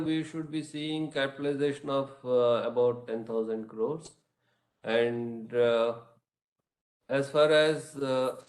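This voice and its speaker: Indian guy, company exec on an earnings call, halting measured answers, echoey room sound. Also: mid-range voice, a little mellow. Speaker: company executive answering analysts.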